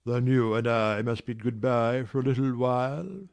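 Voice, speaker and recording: A brusque, commanding gentleman of middle years who teases and bargains by turns, as a man reads him. His voice sits at an ordinary male pitch. He sounds like a figure from a period storybook drama. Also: moderate pace, close to an everyday voice. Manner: gruff, teasing, commanding. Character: brusque teasing gentleman employer, middle-aged. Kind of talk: dramatized classic novel reading.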